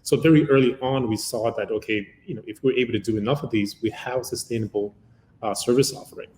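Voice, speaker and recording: A man's voice: medium pitch, fairly even intonation, quick pace, darkish tone, echoey room, a little hiss or hum, rough recording. A man in his fifties from Uganda, a company founder giving a long, rambling interview answer full of "uh" fillers. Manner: long-winded, many "uh" fillers.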